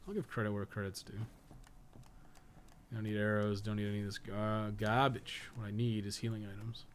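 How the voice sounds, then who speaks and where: A man's voice: on the low side, little pitch movement, normal speed, a little hiss or hum. A man giving casual, rambling gameplay commentary on a stream, swearing and muttering asides to himself as he plays. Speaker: podcast co-host playing a game on a live stream.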